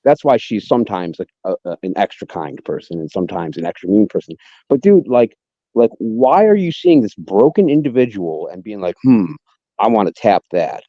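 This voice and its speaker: A man's voice: lowish voice, lively intonation, normal speed, dark tone, dry recording, muffled recording. A man in casual chat who talks emphatically, often repeating and stammering over his words. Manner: emphatic, repetitive, stammering appeals.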